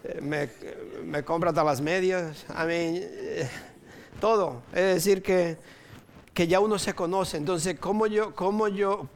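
Preaching informally with personal anecdotes, a man in his sixties from the Dominican Republic uses a Dominican Spanish accent and sprinkles in English words, chuckling easily in a playful way. His voice is high-pitched with fairly even intonation.

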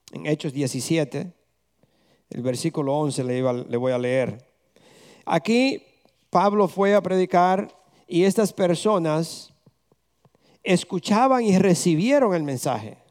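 A man's voice: fairly high pitch, darkish tone, clear, resonant tone. A man preaching a conversational sermon as pastor, firing rhetorical questions at the congregation and slipping English words into his talk.

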